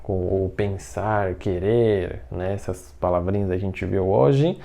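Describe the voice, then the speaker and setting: A man with a mellow, warm voice teaching a relaxed online language lesson. He talks in a chatty way, says words slowly and repeats them, and checks in with tag questions after nearly every phrase. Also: low voice, creaky. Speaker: Mandarin teacher.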